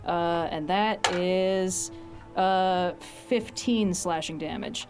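A woman's voice: fairly low pitch, very slow, over loud music. A woman playing a tabletop game, talking casually and thinking aloud through her turn. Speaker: player.

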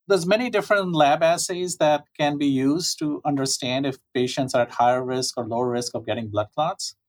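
Calm man explaining medical tests. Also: on the high side. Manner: calm, plain-spoken, measured explaining. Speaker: medical expert. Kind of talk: explanatory expert interview.

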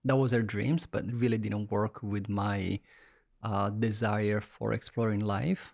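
A man in his forties with an Italian accent, a chef and cooking teacher telling his life story in a relaxed, reflective way with many fillers. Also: lowish voice, unhurried, creaky. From Somalia, raised in Italy. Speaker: chef and cooking instructor, guest. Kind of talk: casual interview storytelling.

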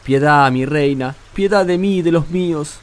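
A man's voice: a little high, moderate pace, lightly acted. An actor playing an indebted subject in a radio drama, intense and emphatic in his delivery. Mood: desperate pleading. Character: desperate indebted subject, servile upward, harsh downward.

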